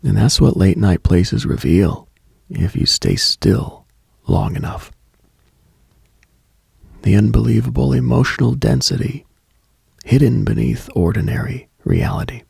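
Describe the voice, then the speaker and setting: A man hosting a late-night mystical radio show, delivering a scripted monologue in a hushed, contemplative, brooding manner. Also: on the low side, gravelly, breathy edge, dry recording, studio quality.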